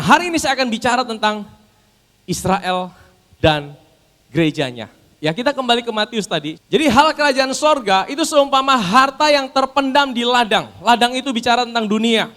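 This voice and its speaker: A man's voice: high-pitched, a bit bright. A man preaching a sermon as pastor, calling the congregation brothers and sisters and posing questions that he answers himself. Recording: long hall reverb.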